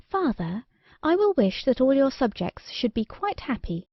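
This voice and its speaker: A woman's voice: high voice, very animated, measured pace, no room sound, lo-fi sound, pitched above the performer's own voice, exaggerated voice. A woman voicing a sweet, obliging young fairy-tale princess who speaks earnestly and eagerly. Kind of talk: storybook character dialogue.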